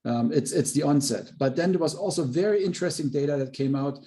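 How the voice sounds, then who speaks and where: A man speaking as a company executive answering questions on an earnings call, explaining in a halting way with repeated words. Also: fairly high pitch, dark tone.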